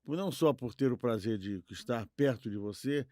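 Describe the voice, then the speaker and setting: A man's voice: medium pitch, a little mellow, no room sound. Older Brazilian man, dry close sound. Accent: Brazilian Portuguese. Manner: halting, repeats words, seeks agreement. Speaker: podcast co-host. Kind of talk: casual chat.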